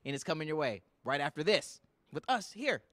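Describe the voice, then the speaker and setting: A man's voice: on the high side, big pitch swings, a little fast, a bit bright, dry recording, studio quality. A man announcing as host of a live red carpet broadcast, in promotional presenting style.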